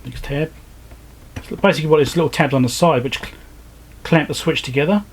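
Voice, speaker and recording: Man narrating a repair, noisy background. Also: a little fast. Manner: low-key, thinking aloud step by step. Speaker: electronics repair video host. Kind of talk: casual hands-on commentary while working. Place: indoor repair workbench.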